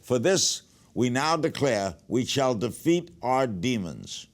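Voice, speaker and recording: A man's voice: medium pitch, big pitch swings, takes it slowly. Male reader for a motivational manifesto, average register.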